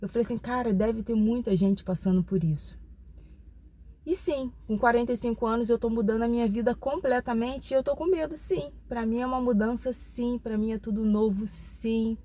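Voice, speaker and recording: A woman's voice: on the high side, moderate pace, warm tone. Reflective Brazilian woman in her forties. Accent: Brazilian Portuguese. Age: 40s. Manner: reflective, confiding, frequent tag questions. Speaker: channel host. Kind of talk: casual personal vlog talk.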